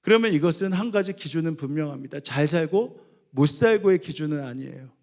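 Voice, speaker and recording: A male pastor delivers a sermon in a high, gravelly voice. He climbs to fervent, loud cries, then sinks to low, quiet passages. The delivery is emphatic and earnest. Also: expressive, fairly quick. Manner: rising to impassioned shouts when voicing biblical cries, then dropping low and soft.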